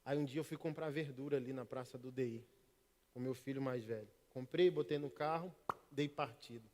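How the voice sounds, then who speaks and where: A middle-aged man from Northeast Brazil preaching a sermon, telling stories and swinging between hushed and loud. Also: medium pitch, fairly quick. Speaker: pastor. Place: church service. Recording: reverberant church hall.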